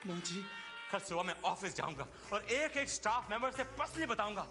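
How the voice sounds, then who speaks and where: An actor playing an excitable, suspicious office worker who dramatically accuses his colleague, in a TV sitcom. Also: high voice, brisk, exaggerated voice. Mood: indignant. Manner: theatrical, indignant, repeats himself. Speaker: sitcom character. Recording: TV sitcom audio with background music.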